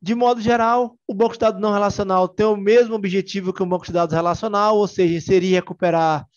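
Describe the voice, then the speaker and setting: Man, young adult, Bahian accent, conference speaker, chatty, filler-heavy, high-pitched, muffled recording. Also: fairly even intonation, fast. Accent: Bahian Brazilian Portuguese. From Salvador, Bahia, Brazil. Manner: chatty, joking, frequent fillers and restarts. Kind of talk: casual technical talk.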